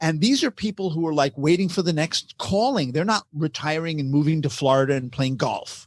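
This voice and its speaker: A man with an ordinary speaking voice talks at a fairly quick pace, hardly pausing at all. His pitch is fairly high, with ordinary variation, and the sound is dry and close with no echo. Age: 60s. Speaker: author and speaker on purpose. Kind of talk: interview.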